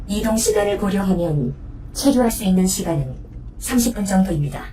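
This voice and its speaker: Woman playing a mellow, formal robot companion. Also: mid-range voice, animated, a little hiss or hum, lightly acted. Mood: informative. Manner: formal, measured, matter-of-fact. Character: polite, protective, logical female robot companion. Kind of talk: Korean audio drama acting.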